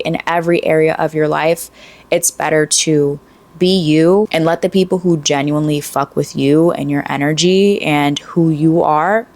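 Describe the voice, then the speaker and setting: A woman in her late twenties giving casual, earnest advice to camera, her voice going after long talking, with frequent "like" and "right?". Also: low voice. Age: late 20s. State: losing her voice. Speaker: lifestyle vlogger.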